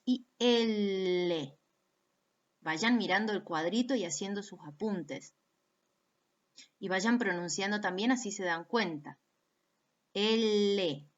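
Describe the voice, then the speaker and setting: A woman's voice: mid-range voice, muffled recording. A woman from Argentina with an Argentine accent, giving a recorded phonetics lesson and patiently sounding out examples for her students. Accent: Argentine Spanish. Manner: patient, demonstrates sounds aloud, addresses students directly. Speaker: phonetics teacher. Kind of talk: recorded video lecture.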